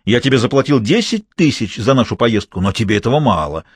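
A man voicing a jealous, hot-tempered man yelling crude insults at his girlfriend. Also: medium pitch, very animated, quick pace, breathy edge, dry recording, studio quality. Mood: yelling, contemptuous. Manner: yelling, contemptuous.

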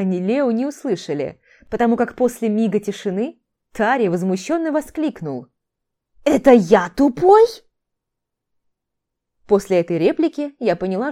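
A woman narrating a fantasy novel in the first person, with a measured, calm reading. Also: medium pitch. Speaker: audiobook narrator.

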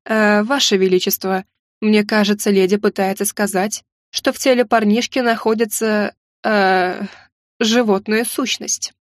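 A woman reading the halting lines of a deferential female huntress in an audiobook. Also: mid-range voice, steady tone, dry recording, studio quality, lightly acted. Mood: hesitant.

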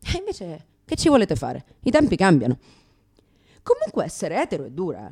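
A woman's voice: fairly low pitch, huge pitch swings, moderate pace, darkish tone, husky, heavily acted. A woman performing a theatrical comic monologue as a brash, neurotic lesbian comedian, sardonic, exclamatory, crude and self-mocking. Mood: wry, ironic.

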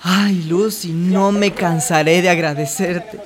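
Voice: mid-range voice, fairly even intonation, slow pace, a crowd in the background, lightly acted. An actor voicing a timid, hopeful young trans woman from a village in a radio drama, telling and living the story. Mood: anxious. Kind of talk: radio drama narration and dialogue. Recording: music under the voice.

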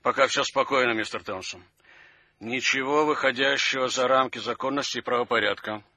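A man's voice: mid-range voice, brisk, pushed and bright, no echo. A man acting in a radio drama as an unruffled sheriff, formal and matter-of-fact. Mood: calm, official. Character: unruffled, official small-town American sheriff.

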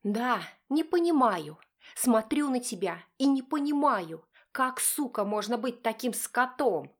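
A woman voicing a furious, hysterical wife who shrieks accusations in a raised, shrill voice. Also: animated, a little slow.

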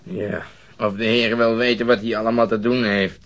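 An actor in a radio drama playing a griping junior police detective with an informal, complaining manner. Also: male voice, on the low side, level tone, moderate pace, a bit bright, natural voice. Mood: wry. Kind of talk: Dutch radio drama acting.

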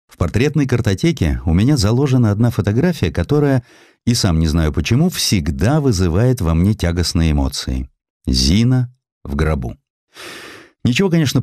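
A man reading a historical essay as an audiobook narrator, in an expressive, reflective and dramatic literary storytelling manner. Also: low voice, dry recording, studio quality.

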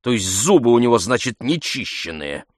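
A man narrating an audiobook in a measured, even storytelling manner into a close studio mic. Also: mid-range voice, dry recording.

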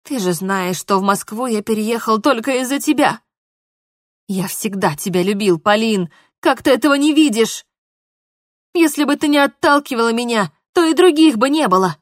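A woman voicing a desperate, passionate young man in love, pleading in a lowered, slowed voice. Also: no room sound, studio quality, close to an everyday voice.

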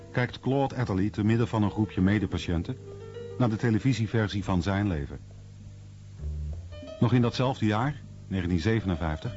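A man narrates a documentary from a script in a low, voice. The recording is slightly dull, with faint music underneath. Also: a little mellow. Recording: dull, lo-fi radio documentary sound.

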